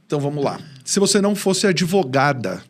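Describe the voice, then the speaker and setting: Host, male, high animated delivery, playful and laughing. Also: brisk. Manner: joking, animated, laughs often. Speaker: podcast host. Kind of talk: casual interview chat.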